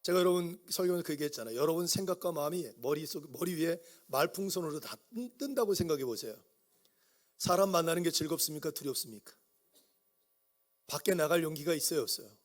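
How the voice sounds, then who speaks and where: Middle-aged male pastor, high-pitched, chatty sermon delivery, often asks the pews questions. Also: lively intonation, fast. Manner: conversational preaching with questions to the congregation. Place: church sanctuary.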